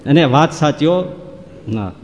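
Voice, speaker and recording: A man's voice: on the high side, animated, unhurried, a little mellow, highs cut off. A man giving a devotional discourse in a folksy manner, listing examples in rhythmic runs that rise into exclamations. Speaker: preacher. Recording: long hall reverb.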